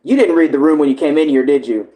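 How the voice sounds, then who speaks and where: A man's voice: on the high side, fast talker, mellow, low-quality recording. A man giving casual, rambling reaction commentary full of slang and swearing, like a host talking to friends. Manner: rambling, informal, often addressing others as bro or dude.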